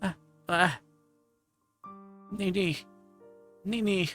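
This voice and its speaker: Man putting on a high-pitched, frightened little girl. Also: extremely slow, fairly bright tone, faint music behind, full character voice. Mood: crying out. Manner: shrill, pleading. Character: frightened, crying young girl pleading desperately.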